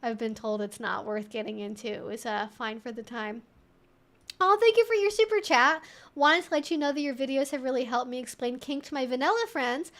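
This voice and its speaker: In a fairly bright, high-sitting voice, a woman talks a little fast to her livestream viewers. She's playful, wry and mock-serious, and giggles frequently while chatting casually.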